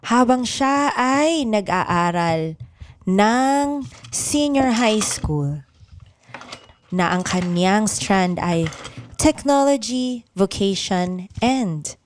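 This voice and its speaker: A woman's voice: fairly high pitch, slight background noise. A woman hosting an improv comedy show and narrating its radio drama into a close studio microphone.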